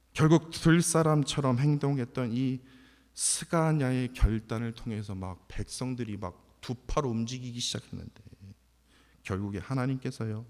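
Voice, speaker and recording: A man preaching a sermon as pastor, animated, jumping from loud outbursts to hushed near-whispers. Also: medium pitch. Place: church sanctuary. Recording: long hall reverb.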